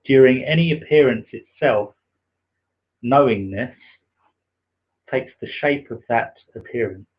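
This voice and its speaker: A soft-spoken man with a naturally quiet voice, hosting a livestream and slowly reading a spiritual text, with many pauses and fillers. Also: mid-range voice, slightly rough. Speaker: livestream host reading aloud. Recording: dull lo-fi livestream audio.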